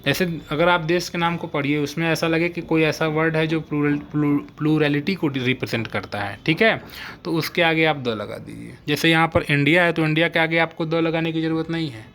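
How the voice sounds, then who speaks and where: A man's voice: fairly high pitch, steady tone, a little fast, fairly bright tone, slight background noise. A man teaching English grammar in a live online exam-prep lesson. He explains step by step and keeps checking whether his students follow.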